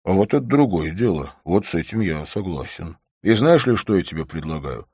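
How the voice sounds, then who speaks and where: A man reading aloud and voicing a calm, wry male friend who coaxes and jokes in a lightly raised voice. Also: deep voice, normal speed, slightly rough, no room sound, studio quality, full character voice. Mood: playful. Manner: coaxing, joking, lightly raised.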